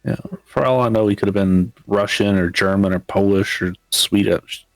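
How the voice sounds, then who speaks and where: A man's voice: lowish voice, steady tone, moderate pace, dry recording, faint music behind, low-quality recording. A man narrating a tabletop role-playing game as storyteller, rambling with many fillers. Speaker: game master.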